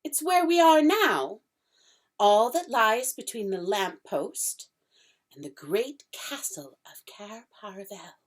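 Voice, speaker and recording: A woman voicing a nervous, polite male fawn who stammers and drops into breathy whispers. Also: a little high, animated, slow pace, voice pushed up. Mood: wistful.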